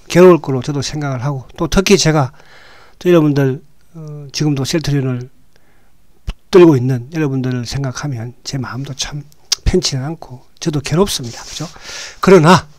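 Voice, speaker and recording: A hoarse man hosting a stock market show, talking casually and often checking in with "right?". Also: on the high side, a little mellow, no echo, studio quality. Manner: talks with frequent "right?" tag questions, halting restarts.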